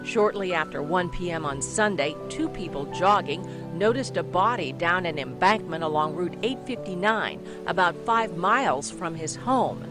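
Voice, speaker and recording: A woman reporter delivering a scripted local TV news story in a measured voice. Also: on the low side, lively intonation. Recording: news clip with music behind.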